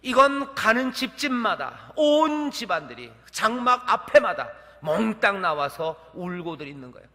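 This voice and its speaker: A male pastor giving a sermon in a dramatic preaching style, acting out voices and swinging between loud pleas and hushed asides. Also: high-pitched, very animated, normal speed, hardly any pauses, in a large hall. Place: church sanctuary.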